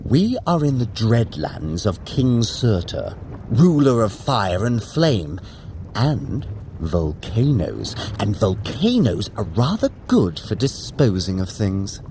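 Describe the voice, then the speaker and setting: An actor playing a cunning, sardonic trickster god in an audio adventure, with a wry, condescending, theatrical manner. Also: male voice, lowish voice, sing-song, slow, a little mellow, slight background noise, heavily acted. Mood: smug. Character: Loki, cunning, sardonic male trickster god, brother of Thor. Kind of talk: scripted audio adventure acting.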